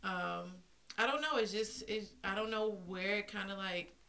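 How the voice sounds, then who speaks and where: A woman's voice: mid-range voice, normal speed, sharp tone. A woman with an African American accent talking casually in a group discussion as a podcast co-host.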